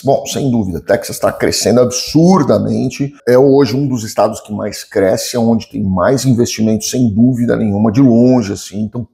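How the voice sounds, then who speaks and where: A lawyer and business commentator in his forties, with a Brazilian accent, speaks to camera from a home office or study lined with bookshelves. His fairly low voice is creaky and dark-toned, and his informal, explanatory commentary is opinionated, conversational and emphatically repetitive.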